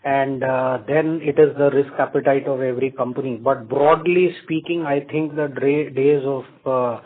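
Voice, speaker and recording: A man with an Indian accent, an executive speaking on an earnings call in a halting, repetitive way with many fillers. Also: medium pitch, fairly even intonation. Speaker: company executive. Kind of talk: earnings call remarks and answers. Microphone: phone or conference line. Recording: tinny phone conference line.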